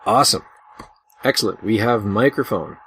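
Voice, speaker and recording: A man's voice: lowish voice, moderate pace, a bit bright, slightly rough. A man hosting a podcast in a casual, chatty style. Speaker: podcast host. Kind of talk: casual chat. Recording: slightly noisy online voice chat.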